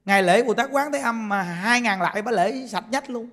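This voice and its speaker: A Buddhist preacher delivers a sermon in a very high voice at a moderate pace, telling animated stories and repeatedly breaking into laughter. Long reverb from a large hall trails after his words.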